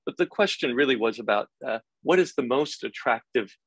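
A middle-aged man moderating a webinar panel over a video call, speaking politely and in a measured way, with fillers. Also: medium pitch, animated, breathy edge, dry recording. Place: office room, indoors.

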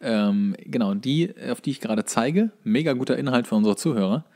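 A man's voice: mid-range voice, lively intonation, brisk, a little mellow. A man chatting as a podcast co-host in a wry, jokey, informal style. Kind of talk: casual comedic podcast chat.

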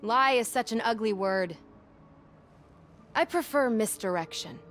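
Sly Black Cat, cool and teasing. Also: female voice, fairly high pitch, animated, unhurried, fairly bright tone, soft background music. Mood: smug, teasing. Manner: teasing, cool, self-assured. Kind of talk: cinematic game voice acting.

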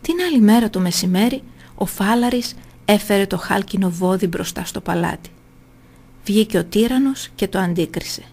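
A woman reading a story aloud for radio in a calm, steady way. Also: mid-range voice.

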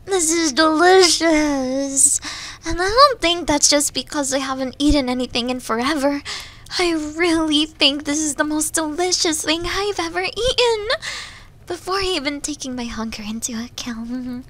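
A woman's voice: high-pitched, measured pace, a bit bright. A woman voicing a shy, starving young wolf girl in an ASMR roleplay, hesitant, apologetic and stammering, often slipping toward a whisper. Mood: delighted, admiring. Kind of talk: ASMR roleplay audio drama.

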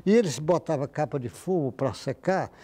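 Older man telling stories, mellow tone. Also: a little high, lively intonation, moderate pace, husky. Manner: anecdotal, acts out quoted voices. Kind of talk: casual storytelling interview.

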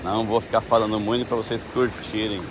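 A man's voice: fairly low pitch, flat delivery, brisk. A Brazilian man, vlogging casually as a tour guide and coaxing viewers to like and share, recorded outdoors on a beach. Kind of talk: casual vlog talking to viewers. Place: outdoors on a windy beach at the water's edge. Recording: outdoor wind and surf noise. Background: waves and wind.

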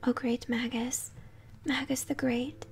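A woman's voice: high voice, little pitch movement, takes it slowly, vocal fry, darkish tone, slight background noise, heavily acted. A woman voicing a fanatical monster cultist in a game, chanting reverent verse in a whisper. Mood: worshipful.

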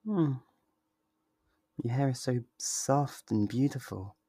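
Male actor as possessive yandere sweetheart, ASMR roleplay, tender, reassuring, slow delivery, medium pitch. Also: lively intonation, dark tone, slightly rough, no echo, heavily acted. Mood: affectionate, doting. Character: sweet, doting, possessive yandere lover, soothing and obsessive. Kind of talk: intimate roleplay ASMR acting.

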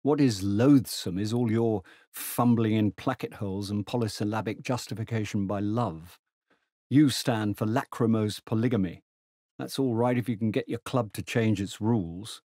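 A man voicing a contemptuous, combative English gentleman in a novel, speaking bluntly and emphatically. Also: lowish voice, normal speed, no echo, studio quality, close to an everyday voice. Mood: emphatic, disdainful.

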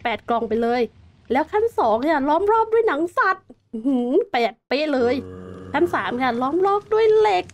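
High-voiced excitable woman gaming host. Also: slight background noise. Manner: chatty, excitable, explaining as she plays. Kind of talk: casual game commentary. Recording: background music under voice.

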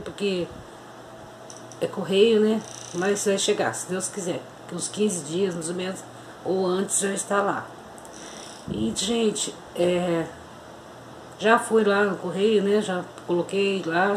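Speaking at a medium pitch, this Brazilian-accented grandmother in her fifties chats warmly to viewers in a home vlog, frequently calling out to them with pet names. She films on a phone at arm's length in her kitchen and living room, where the room echoes and a slight hiss or hum is audible.

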